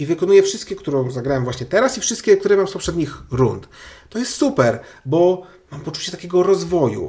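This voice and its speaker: A man speaks at a fairly high pitch. His voice moves in very wide pitch swings. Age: 30s. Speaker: board game podcaster. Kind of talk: casual chat.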